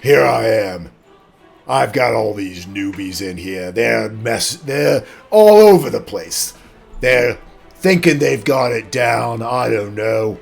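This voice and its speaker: A man's voice: medium pitch, animated, takes it slowly, vocal fry, faint music behind, heavily acted. A man voicing a seasoned, swaggering Australian hunter who scorns newcomers in a tabletop game.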